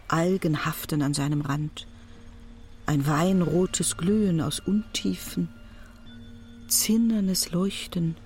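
A man's voice: sits high, a little hiss or hum. An actor playing a contemplative man watching sea and shore, reciting lyrically in a radio play of verse.

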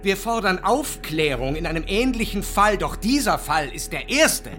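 An actor playing a grave prosecuting narrator in a literary radio play, reciting deliberately and declaiming. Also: male voice, high-pitched, sing-song, bright, forceful tone, soft background music, exaggerated voice. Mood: accusing, declamatory.

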